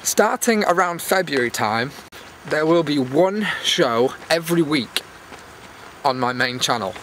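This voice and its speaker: A man's voice: a little high, lively intonation, a little slow, a bit bright, poor audio. Chatty man vlogging over outdoor background noise. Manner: chatty, self-deprecating, jokey asides. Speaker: YouTube host. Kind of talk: casual rambling vlog chat to viewers. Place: outdoors, walking in a public area. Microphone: handheld camera. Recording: clear outdoor background noise while walking.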